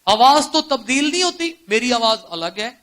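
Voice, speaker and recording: A male pastor with a Pakistani accent preaching a sermon in church, firing rhetorical questions at the congregation and swinging between quiet storytelling and loud exclamations. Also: very high voice, lively intonation. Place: church service before a congregation.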